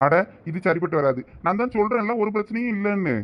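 A man's voice: sits high, animated, quick pace, muffled recording. A man acting as a caring young husband in a village comedy-drama, coaxing and teasing his wife affectionately. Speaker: actor in a village family skit.

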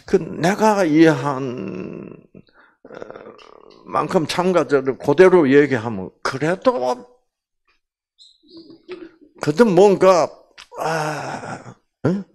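Older man, Bible lecturer, husky voice, slow unhurried delivery, lively swooping pitch. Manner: animated, with many fillers and acted quotes.

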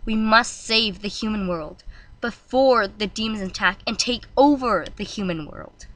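A woman's voice: medium pitch, unhurried, natural voice. A woman voicing a young heroine who speaks with urgent, earnest determination for a voice audition. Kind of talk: voice audition reading.

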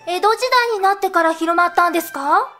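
Woman acting young celestial princess, very high girlish voice, sweet, dutiful, polite, storybook dialogue. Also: fairly even intonation, fast talker, fairly bright tone, faint music behind. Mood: polite, curious. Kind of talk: scripted educational story dialogue.

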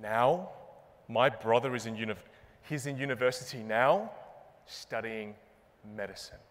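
Animated young man giving a stage keynote. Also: medium pitch, unhurried. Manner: animated, punchline-driven, self-mocking. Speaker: keynote speaker and magician. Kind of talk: comedic keynote speech. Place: large conference stage before a live audience. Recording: long reverb of a big hall.

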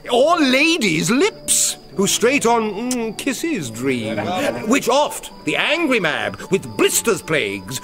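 A mercurial young British nobleman in a Shakespearean radio play. His fairly high voice leaps and swoops through fantastical, teasing speeches, turning from glee to brooding, with music behind him. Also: full character voice. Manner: theatrical, teasing, swings from gleeful to brooding. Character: mercurial, witty young nobleman spinning fantastical bawdy tales. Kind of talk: Shakespearean radio drama acting.

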